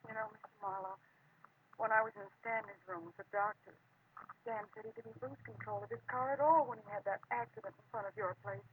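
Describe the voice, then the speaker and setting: A woman acting an earnest, sweet young fiancée in 1940s radio drama, with a slightly breathless, halting delivery. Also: a little high, expressive, breathy edge, full character voice. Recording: tinny, lightly noisy old radio recording.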